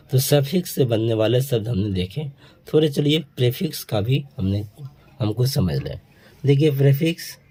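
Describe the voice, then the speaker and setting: Man, teacher, unhurried delivery, low mellow voice, steps through word lists. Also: husky, poor audio. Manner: slow, listing word pairs one by one. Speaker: English teacher. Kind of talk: explaining word formation to students.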